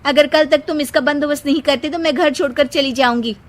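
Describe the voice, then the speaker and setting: A woman's voice: high voice, a little fast, voice pushed up, close to an everyday voice. A woman putting on a scheming young wife. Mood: demanding. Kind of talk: storybook character voice.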